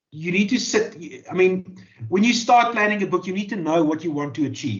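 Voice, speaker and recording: A man with a South African accent and very wide pitch swings. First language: Afrikaans. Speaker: author and journalist. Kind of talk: interview. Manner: hesitant, many repetitions.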